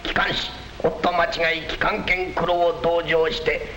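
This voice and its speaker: A man's voice: a little high, flat delivery, normal speed, sharp tone. A man telling a dramatic tale as a street storyteller, declaiming theatrically. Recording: echoey old film soundtrack, faint hiss.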